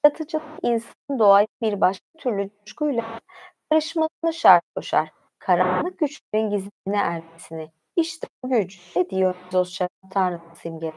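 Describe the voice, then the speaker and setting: A livestream host with a medium-pitched, slightly mellow voice reads about mythology. Her delivery is relaxed and chatty, broken up often by informal asides.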